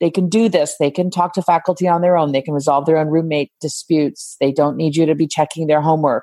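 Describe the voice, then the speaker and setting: In a very clean recording with a silent background and a dry, close sound free of echo, a woman with a very deep, low pitch and a dark, mellow tone talks at a very fast pace, with fairly even intonation, very even loudness and hardly any pauses. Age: 50s. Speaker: author, former university dean. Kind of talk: interview.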